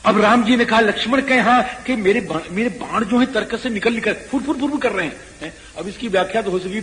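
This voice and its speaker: High-voiced man giving a scripture discourse. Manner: animated, chanting verses slowly. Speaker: religious storyteller. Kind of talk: devotional scripture discourse with chanted verses. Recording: echoey hall with faint noise.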